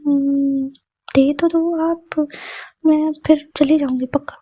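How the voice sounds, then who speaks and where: Woman narrator doing a cheeky student: high, breathy, flat delivery. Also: slow pace, dry recording. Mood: teasing. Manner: teasing, dramatic.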